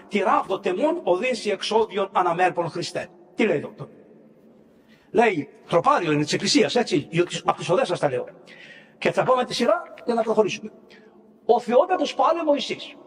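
A Greek Orthodox priest preaching a sermon. He explains a hymn verse by verse, asking and answering his own questions and acting out scenes with sound words. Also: high voice. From Greece. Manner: acts out biblical scenes with sound words and quoted speech. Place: church. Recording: long church reverb.

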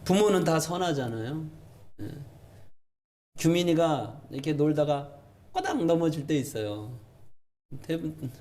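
A man in his thirties preaching a sermon as a pastor, animated and acting out complaining questions to God. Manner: animated, voices questions to God in a raised pitch. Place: church sanctuary.

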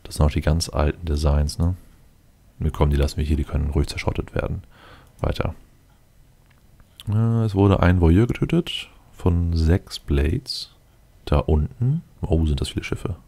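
Very deep, creaky man commentating. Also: animated, moderate pace, dark tone. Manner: muttering to himself, addressing game units directly. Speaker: let's player commenting on his game. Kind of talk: casual gameplay commentary, thinking aloud.

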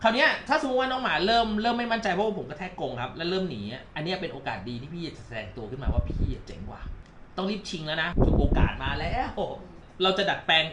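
A man working as a dog trainer, talking owners through a lesson at their home in an animated way and sometimes speaking the dog's thoughts aloud. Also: high-pitched. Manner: animated, quick explanatory chatter that voices the dog's thoughts. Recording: echoey room with faint noise.

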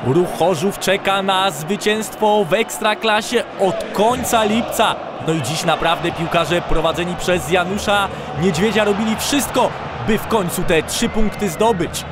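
Male highlights commentator, high voice, crowd roar underneath, rises to shouts on chances. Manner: calm narration breaking into shouts on chances. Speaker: sports commentator. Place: voice-over over stadium crowd sound. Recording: loud crowd and field noise underneath. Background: stadium crowd and noise.

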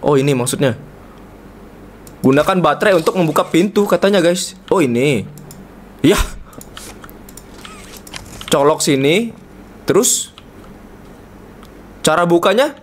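Sex: male. Role: gaming streamer. Style: playful live commentary. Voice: fairly high, faint noise behind. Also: animated, measured pace, long pauses. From Indonesia. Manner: playful, chatty, keeps calling to viewers. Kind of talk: casual live gameplay commentary.

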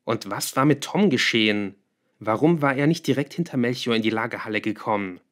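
A man reading a novel aloud as audiobook narration, measured and even. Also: medium pitch. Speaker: audiobook reader. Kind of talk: scripted narration.

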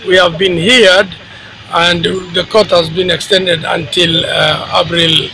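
A middle-aged man, a tenant, giving a halting, emphatic statement to reporters outdoors on a city street. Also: sits high, steady tone, gravelly, sharp tone, low-quality recording. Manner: halting, many fillers, grows emphatic. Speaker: tenant speaking to press. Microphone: handheld reporter mics close. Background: traffic and street ambience.

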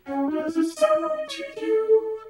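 A man speaking through a synth vocoder as a singing robot voice, in slow, drawn-out syllables. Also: extremely high pitch, soft background music, pitched above the performer's own voice. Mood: synthetic, drawn-out. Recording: echoey, loud synthesizer tones.

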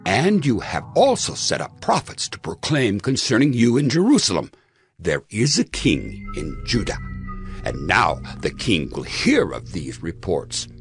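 A man's voice: on the low side, wildly swooping pitch, measured pace, heavily acted. A man playing a scheming enemy official in a dramatized scripture reading, declamatory and insinuating. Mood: accusing, menacing. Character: scheming male enemy official reading out a menacing accusing letter. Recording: music bed behind the voice.

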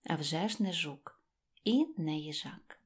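A woman storyteller narrating a rhymed children's tale in an expressive style. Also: low-pitched, a little slow, husky. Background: faint music.

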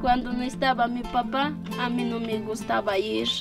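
Gravelly Andean Peruvian woman, flat testimony. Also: on the high side, loud music behind the voice. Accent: Andean Peruvian Spanish. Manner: halting, simple phrasing, tearful memories. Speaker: relative of a disappeared man, giving testimony. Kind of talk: personal testimony.

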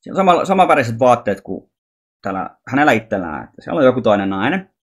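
A man's voice: mid-range voice, big pitch swings. A man with a Finnish accent, talking casually and rambling as he retells a film scene, acting out what the people in it say. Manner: rambling, many restarts, acts out the lines of the people in the story. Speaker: vlogger. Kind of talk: casual storytelling, retelling a dream as a film script.

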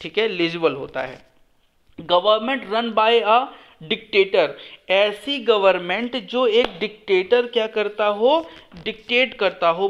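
A young male teacher with a high voice runs an exam lesson as if in front of a class. He asks a question, answers it himself, and says the answer again. English phrases come out slowly, one word at a time. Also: fairly bright tone. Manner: explains step by step, repeats each answer, asks and answers his own questions.

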